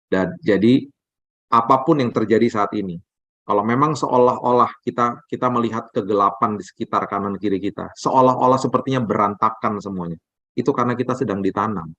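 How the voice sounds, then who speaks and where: Low-voiced male preacher, animated storyteller, dry dull recording. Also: fairly quick, no echo. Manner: animated storytelling, acts out dialogue. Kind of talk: sermon with personal story.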